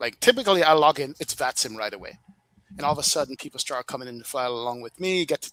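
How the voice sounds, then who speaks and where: This man talks at a fairly quick pace with a Jamaican accent, his pitch fairly high and his intonation lively. The recording is very clean with a silent background, and the sound is dry and close with no echo. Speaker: flight sim streamer. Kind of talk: casual chat. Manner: animated.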